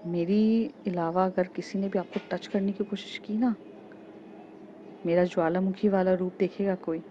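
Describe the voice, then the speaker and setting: A woman's voice: on the low side, level tone, moderate pace, dark tone, lo-fi sound, slight background noise, lightly acted. A woman voicing a jealous young woman student who scolds sulkily and possessively, in a storybook romance. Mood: angry.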